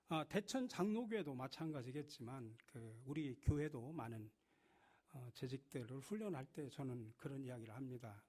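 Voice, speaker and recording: A middle-aged man from Chungcheong, South Korea, preaching a sermon to his congregation with a lively, humorous, direct manner. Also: mid-range voice. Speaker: pastor. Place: church.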